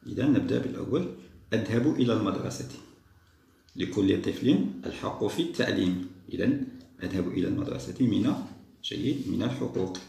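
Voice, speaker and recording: Gravelly low-voiced man teaching young kids. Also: animated, warm tone, roomy sound. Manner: slow, patient, repeats each answer. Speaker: teacher solving a school test. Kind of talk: step-by-step lesson for young children.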